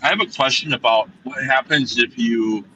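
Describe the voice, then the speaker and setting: A man calling in remotely, his connection cutting out so his speech comes through halting and broken. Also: medium pitch, bright, forceful tone. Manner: halting, restarts mid-sentence. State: connection breaking up and dropping out. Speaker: remote caller. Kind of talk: casual chat. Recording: distant choppy streamed call with faint noise.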